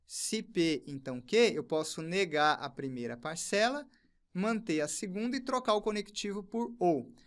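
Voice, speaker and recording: Higher-voiced methodical male teacher. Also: lively intonation. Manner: methodical, repeats each step slowly. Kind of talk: recorded online lesson, explaining on screen.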